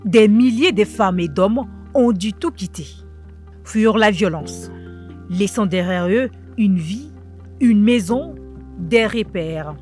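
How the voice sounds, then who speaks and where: Woman narrating over clear music. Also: mid-range voice, animated, measured pace, a little mellow. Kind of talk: scripted documentary voice-over. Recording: music underneath.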